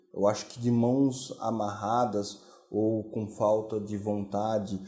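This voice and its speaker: Over a quiet background with audible room echo, a man speaks in a fairly low, somewhat breathy voice with a dark, mellow tone and monotone, flat intonation. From Brazil, São Paulo state (Americana); São Paulo state, Brazil. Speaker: musician and entrepreneur; interview guest. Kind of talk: interview. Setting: studio. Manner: hesitant, with repetitions. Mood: earnest, reflective. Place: studio. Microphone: lapel.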